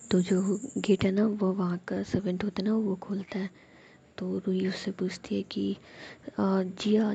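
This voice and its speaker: A woman casually narrating a love story, softly and half-whispered, with chatty filler tags. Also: medium pitch, vocal fry, slightly rough.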